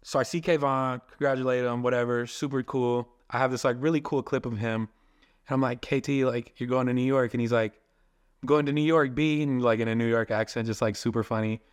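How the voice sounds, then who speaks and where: A man's voice: medium pitch, level tone, fairly quick, clear, resonant tone. A young man, a filmmaker and photographer, talking casually as a podcast guest and telling long rambling stories. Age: young adult. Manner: casual, rambling storytelling with many "like" fillers.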